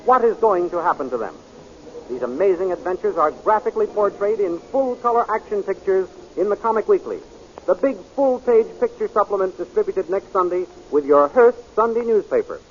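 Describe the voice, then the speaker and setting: A man's voice: high-pitched, lively intonation, fairly quick, slight background noise. A man giving dramatic scripted narration as a 1930s radio announcer. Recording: muffled 1930s radio recording. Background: music.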